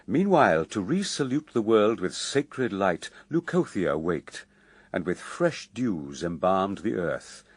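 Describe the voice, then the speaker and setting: A man narrating a radio verse drama in a measured, solemn, literary delivery. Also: deep voice, very animated, breathy edge, dry recording.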